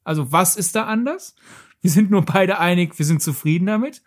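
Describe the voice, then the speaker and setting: A woman with a lowish voice co-hosts a film podcast. She explains things in a conversational way, slipping in wry asides as she goes. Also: fairly quick. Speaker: podcast co-host.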